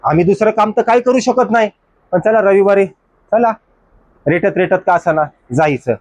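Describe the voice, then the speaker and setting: A man's voice: sits high, normal speed, darkish tone, dry recording. A man preaching as a pastor in a church, exhorting his congregation with rhetorical questions and mock excuses. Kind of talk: sermon.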